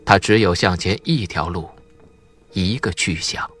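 A man's voice: sits low, measured pace, a bit bright, soft background music. A man narrating a suspense audiobook in a dramatic, theatrical storytelling manner.

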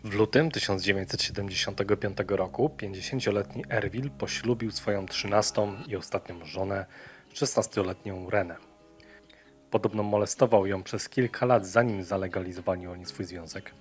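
A man reading a scripted true-crime story in a measured storytelling manner. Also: low voice, faint music behind. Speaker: narrator of a true-crime channel.

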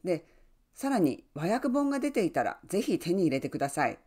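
A woman who works as an online English coach, giving friendly, encouraging advice and often adding soft tag words as she talks. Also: lowish voice, sing-song, a little fast, slightly rough. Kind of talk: advice talk to camera.

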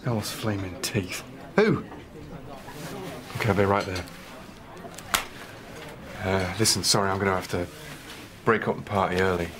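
A man's voice: low voice, measured pace, pauses often, a crowd in the background. An actor playing a brusque middle-aged man in a TV drama. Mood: brusque, urgent. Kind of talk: naturalistic TV drama acting.

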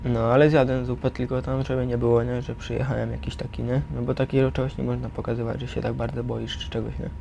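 A young man talks casually in a creaky, mellow voice. He recalls things in halting, slangy bursts, often tagging on a short question. Some steady noise sits behind him. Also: medium pitch. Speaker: resident of a youth correctional centre. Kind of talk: casual personal recollection.

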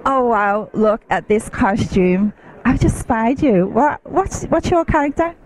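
A woman in her thirties, hoarse from losing her voice, flirtily interviewing cosplayers with a handheld mic in a busy convention hall. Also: a little high, unhurried, a little mellow, faint music behind. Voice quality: husky. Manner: flirty, playful, laughs often. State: hoarse, lost voice.

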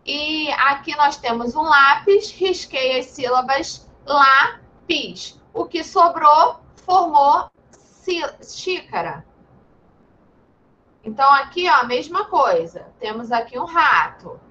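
A Brazilian woman teaching young children over a video call, patient and gentle, calling pupils sweet names. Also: sits high, lively intonation, slow pace, hardly any pauses, dull audio, a little hiss or hum. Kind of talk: online class for young children.

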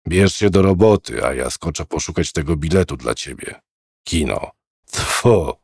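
An actor playing a menacing, irritable old male killer in a horror audiobook, grumbling in a low voice. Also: lively intonation, a little slow, a little mellow, slightly rough, no room sound, clean studio sound, heavily acted. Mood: gruff, irritated.

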